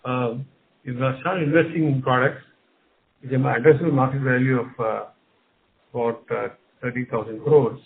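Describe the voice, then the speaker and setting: A man's voice: mid-range voice, fairly even intonation, moderate pace. Indian man on a noisy phone line. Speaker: company executive answering investors. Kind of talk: unscripted conference call answers. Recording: narrow phone line, clear background noise.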